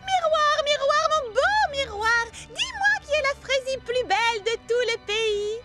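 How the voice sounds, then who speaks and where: A woman's voice: very high-pitched, animated, measured pace, over music. A woman voicing a vain, melodramatic young girl playing a wicked storybook queen in a French cartoon, with theatrical, declamatory delivery. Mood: imperious. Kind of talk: French cartoon dub acting.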